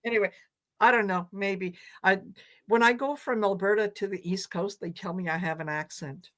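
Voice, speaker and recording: A woman from Croatia whose first language is Croatian, chatting casually as a co-host and sometimes pausing to search for words. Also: medium pitch, a bit bright. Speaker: tarot show co-host. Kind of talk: casual chat.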